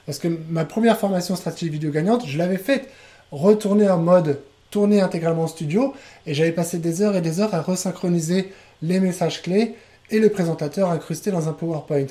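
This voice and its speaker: Mellow-voiced man hosting a live webinar. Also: high voice, a little fast. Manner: enthusiastic, rambling with restarts. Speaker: online trainer and webinar host.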